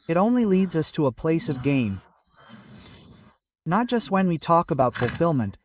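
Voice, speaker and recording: Man, pastor, measured sermon delivery, slightly high voice, dry and a bit off-mic. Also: recorded from a distance. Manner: measured preaching with scripture citations.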